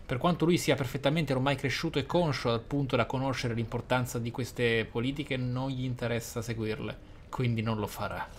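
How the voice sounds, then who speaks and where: A man hosting a roleplay let's play, speaking in deliberate, formally worded, articulate commentary. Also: medium pitch, steady tone, a little hiss or hum. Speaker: gamer, let's play host. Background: video game ambience.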